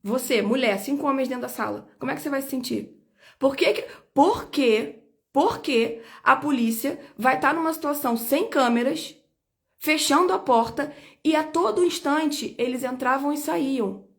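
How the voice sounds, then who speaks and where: A high-pitched woman speaks to the camera in a personal video statement. She sounds indignant and insistent, stressing and repeating her points as she lays out her side. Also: moderate pace, vocal fry. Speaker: lawyer recounting her own detention.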